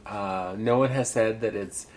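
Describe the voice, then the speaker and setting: A man's voice: on the low side, a little slow, darkish tone, slight background noise. A man co-hosting a casual podcast, telling a story in a chatty, self-mocking way. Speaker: podcast co-host.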